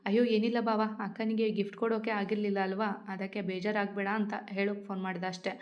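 A woman's voice: mid-range voice, little pitch movement, quick pace, dull audio, natural voice. A woman voicing an anxious young male student who speaks hesitantly and pleads with his sister in a read-aloud story.

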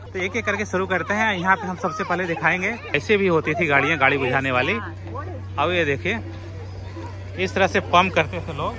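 A middle-aged man with an Indian accent, narrating a casual vlog outdoors and informally explaining what he shows. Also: high-pitched. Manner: informal, instructive, pointing things out as he goes. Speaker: vlog host. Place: outdoors in an open parking lot at a public event. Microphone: phone at arm's length.

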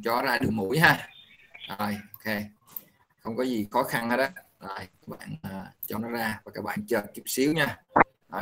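A man's voice: fairly low pitch, gravelly, pushed and bright, slight background noise, poor audio. Patient male teacher. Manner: patient, pausing often to explain slowly. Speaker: English pronunciation teacher. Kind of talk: classroom instruction mixing Vietnamese and English.

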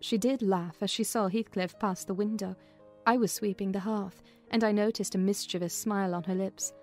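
A woman narrates an audiobook in a mid-pitched voice. The reading is scripted and dramatic, with music playing faintly behind her. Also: steady tone, moderate pace, a little mellow.

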